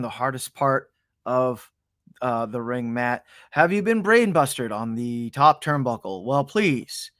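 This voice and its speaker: A man playing an earnest injury-lawyer pitchman in a parody TV commercial, asking rhetorical questions. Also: fairly bright tone, dry recording, clean studio sound.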